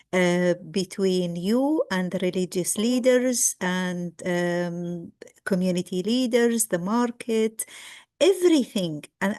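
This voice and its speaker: A middle-aged woman from Egypt gives a lecture over a video call, speaking in a measured way with frequent ums and restarts. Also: mid-range voice, darkish tone. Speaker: guest lecturer. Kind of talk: online lecture.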